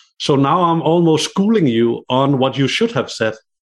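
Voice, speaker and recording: Lively in intonation, a man with a Danish accent and a fairly high pitch speaks at a moderate pace. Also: quiet background. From Denmark. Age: 40s. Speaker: negotiation consultant. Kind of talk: casual chat.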